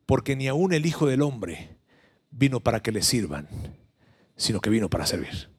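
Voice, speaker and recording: A preacher voicing a calm, solemn male teacher who speaks slowly and gravely. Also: medium pitch, voice pushed down. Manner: slow, grave, hushed.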